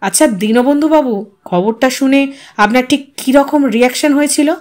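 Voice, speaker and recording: A woman's voice: high-pitched, normal speed, darkish tone, lightly acted. Woman voicing an earnest local newspaper correspondent. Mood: probing. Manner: formal questioning, testy when interrupted.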